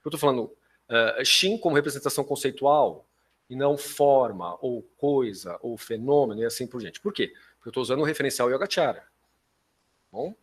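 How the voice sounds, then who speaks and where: A Brazilian man giving an academic philosophy lecture as a professor, didactic and halting, with informal asides and frequent check-in questions to his listeners. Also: medium pitch, slightly rough.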